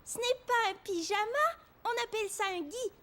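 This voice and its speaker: Confident small girl for children's animation: high piping voice, talkative, eager to explain. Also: normal speed, a bit bright. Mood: proud. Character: confident, chatty little girl proud of karate. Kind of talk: children's cartoon dubbing.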